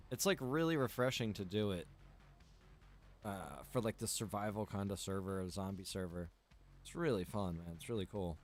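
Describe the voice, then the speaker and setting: Low-voiced man chatting on a game stream. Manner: easygoing, chatty, addressing viewers directly. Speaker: game streamer and server admin. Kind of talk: casual live gameplay stream chat.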